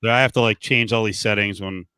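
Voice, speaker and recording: A man's voice: fairly low pitch, steady tone, a little fast, very noisy. A man hosting a casual podcast, grumbling in an exasperated, jokey way.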